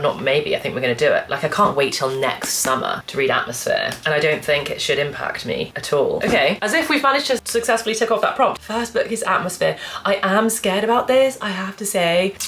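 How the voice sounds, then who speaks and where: A young woman, croaky from a cold, chatting casually about books to camera with lots of restarts. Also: fairly low pitch, a bit bright, slight background noise. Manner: chatty, rambling, full of "like" and restarts. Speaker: book vlogger.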